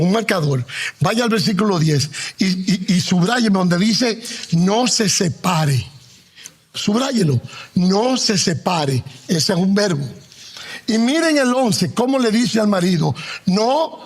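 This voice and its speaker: A man's voice: high voice, animated, husky. A male pastor preaching a sermon in a conversational way, with humor. He has the congregation repeat after him and stretches out the words he stresses. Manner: emphatic, drawn-out stressed words; conversational humor woven into Bible teaching.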